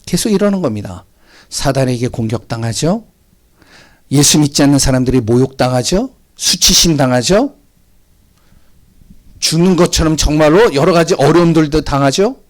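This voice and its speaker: A male pastor preaching a sermon in a church, dramatic, swinging from loud emphasis to hushed whispers. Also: a little high, lively intonation, moderate pace, pauses often. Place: church sanctuary.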